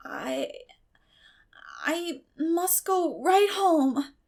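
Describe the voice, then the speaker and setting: A woman's voice: extremely high pitch, expressive, voice pushed up, full character voice. A woman voicing a tipsy, stubborn young girl in a storybook, speaking thickly and unsteadily. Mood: dazed, queasy. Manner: thick, slow, unsteady speech.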